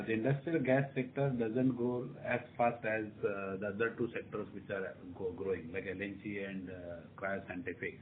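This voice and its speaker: Indian male executive, low voice, reassuring and repetitive, on a noisy phone conference line. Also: phone-quality sound. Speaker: company executive answering analyst questions. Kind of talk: unscripted earnings call answers. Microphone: telephone conference line.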